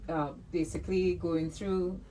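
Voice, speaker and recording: A woman radio host interviewing a guest, encouraging and quick with short acknowledgements. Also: lowish voice, little pitch movement, a crowd in the background, low-quality recording.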